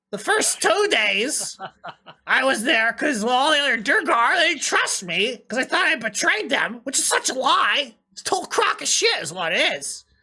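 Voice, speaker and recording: This put-on character voice is high-pitched and shrill, with very wide pitch swings. It moves along at a moderate pace. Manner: indignant, storytelling.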